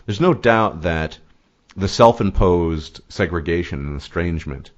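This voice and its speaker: A man's voice: low-pitched, expressive, measured pace. A man in a casual discussion, speaking hesitantly with many fillers and restarts. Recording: muffled lo-fi audio.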